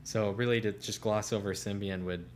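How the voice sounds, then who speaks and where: A man co-hosting a casual tech podcast as a smartphone editor, relaxed and trailing off quietly at the ends of phrases. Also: on the low side, normal speed, a little hiss or hum. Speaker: senior smartphone editor, co-host.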